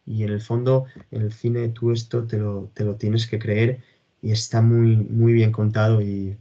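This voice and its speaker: A man's voice: fairly low pitch, level tone, measured pace, dark tone. A man talking casually and with enthusiasm about films, repeating his phrases and stumbling over words. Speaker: film discussion co-host. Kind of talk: casual film chat. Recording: dull lo-fi audio.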